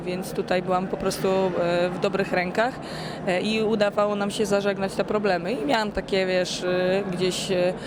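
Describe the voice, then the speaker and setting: A sleep-deprived woman athlete giving a casual interview, halting and searching for words. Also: medium pitch, noisy background. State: sleep-deprived after three days awake. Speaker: endurance swimmer being interviewed. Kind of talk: casual post-challenge interview.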